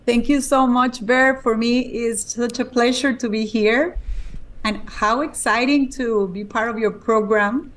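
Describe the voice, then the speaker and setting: A woman's voice: fairly high pitch, fairly even intonation, a little slow. A woman from Costa Rica with a Costa Rican Spanish accent, speaking English as a second language, telling her story as a guest over a video call. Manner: warm, storytelling, slightly imperfect English. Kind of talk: interview testimony. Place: bright home room. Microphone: webcam video call.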